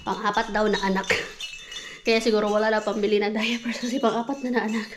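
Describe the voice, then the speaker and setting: A woman's voice: mid-range voice, little pitch movement, fast talker, a little hiss or hum. A woman from the Philippines chatting casually in a home vlog, switching to a sing-song voice when talking to her toddler. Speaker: vlogger mom.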